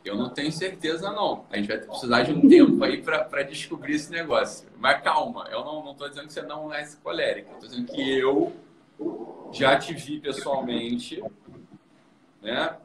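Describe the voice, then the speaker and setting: A man hosting a casual chat, explaining personality temperaments to a young guest in an animated, teasing way. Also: fairly high pitch, normal speed, crowd noise. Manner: animated and teasing, often tags "entendeu?". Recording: roomy room with clear background noise.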